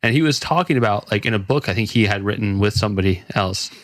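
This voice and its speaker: A man's voice: on the low side, lively intonation, fast talker, no echo, clean studio sound. A man co-hosting a podcast in casual chat, talking loosely with swearing and frequent restarts. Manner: loose, profane, rambling with restarts. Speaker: podcast co-host.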